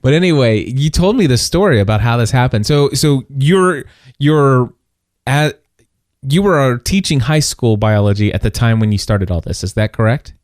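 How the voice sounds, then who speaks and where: Middle-aged male podcast interviewer, jovial and conversational, medium pitch, recorded dry and close. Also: expressive, normal speed, darkish tone, dry recording.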